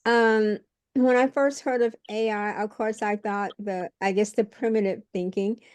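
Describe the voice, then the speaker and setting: A woman's voice: medium pitch, steady tone, unhurried, darkish tone, clear, resonant tone, no echo. A woman introducing herself on a video call, frank and outspoken but a little hesitant. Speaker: workshop participant. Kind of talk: casual self-introduction.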